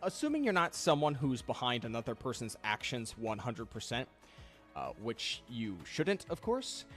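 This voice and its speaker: A man reading a scripted video essay, measured and reflective, critical in tone. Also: mid-range voice, wildly swooping pitch, fairly bright tone, faint music behind. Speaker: commentary channel host.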